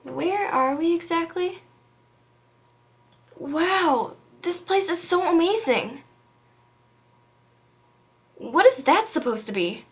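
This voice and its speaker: A woman's voice: very high-pitched, lively intonation, takes it slowly, pauses often, pitched above the performer's own voice, full character voice. A woman voicing a wide-eyed, wondering girl in an amateur series audition. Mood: amazed.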